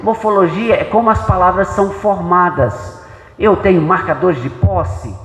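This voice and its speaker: Brazilian male pastor-lecturer, slightly high pitch, chatty and explanatory, recorded in a roomy reverberant hall. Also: moderate pace, fairly bright tone. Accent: Brazilian Portuguese. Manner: explanatory, conversational, checks in with rhetorical questions. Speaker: pastor and Bible translator giving a talk. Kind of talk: informal church lecture. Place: church hall. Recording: echoey hall with long reverb.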